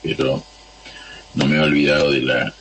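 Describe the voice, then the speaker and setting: Deep-voiced rioplatense man, slow and halting, faint hum behind him. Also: level tone, fairly bright tone. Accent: Rioplatense Spanish. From Argentina. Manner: unhurried, halting, searches for words. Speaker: guest sending a recorded greeting. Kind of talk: recorded spoken greeting.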